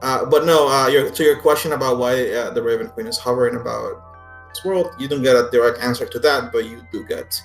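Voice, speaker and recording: A man's voice: medium pitch, gravelly. A man speaking casually as the game master of a tabletop role-playing game. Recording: roomy echo, faint music behind.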